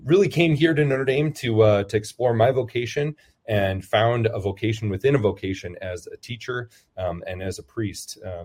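A man with a low voice, a priest and football chaplain, answering interview questions in a rambling, self-deprecating way with many fillers. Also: darkish tone. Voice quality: lower voice.

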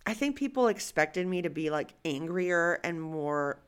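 A young woman co-hosting a casual podcast, an animated storyteller who acts out quotes and wanders off on tangents. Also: lowish voice, unhurried, smooth. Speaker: podcast co-host.

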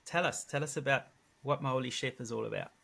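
A man's voice: mid-range voice, brisk, vocal fry, fairly bright tone. South African man hosting, effusive and encouraging. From South Africa, east coast. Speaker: interview host. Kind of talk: conversational interviewing.

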